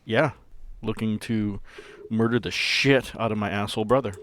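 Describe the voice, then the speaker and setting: A man's voice: on the low side, steady tone, normal speed, fairly bright tone, a little hiss or hum. A man in his late thirties or older chatting casually as a player on a tabletop game show. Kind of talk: casual chat.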